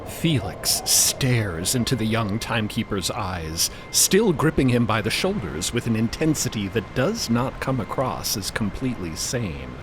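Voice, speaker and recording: A man narrating a fantasy audio drama in a deliberate, portentous, scripted style. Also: fairly low pitch, sing-song, background noise.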